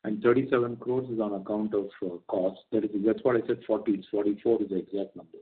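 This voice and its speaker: A man with an Indian accent answering as a company executive on an earnings call, measured and guarded, often stammering and repeating words as he goes. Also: lowish voice, steady tone. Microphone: phone or conference call line. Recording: narrow, tinny conference call line.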